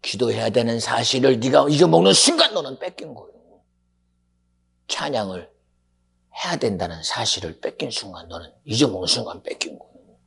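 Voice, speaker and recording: A male pastor preaching a fervent sermon, swinging from hushed, whispered lines to shouted climaxes. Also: mid-range voice, big pitch swings, brisk, vocal fry, breathy edge, poor audio.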